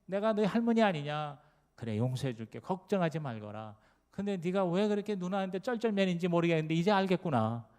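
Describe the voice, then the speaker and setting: A pastor voicing a loving, forgiving old grandmother who speaks gently and reassuringly. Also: high voice, very animated, brisk, clear, resonant tone, pitched above the performer's own voice. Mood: tender. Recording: long reverb of a church sanctuary.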